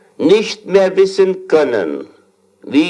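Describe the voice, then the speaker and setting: A man is speaking. His pace is very slow. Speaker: spiritual healer giving a public lecture. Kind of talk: sermon-like lecture to an audience.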